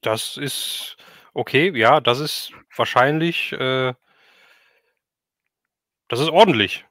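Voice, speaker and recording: A man's voice: medium pitch, takes it slowly, a bit bright, no room sound, clean studio sound. A man hosting a casual livestream chat, loosely rambling and thinking aloud as he takes viewer questions. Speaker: host of a livestream.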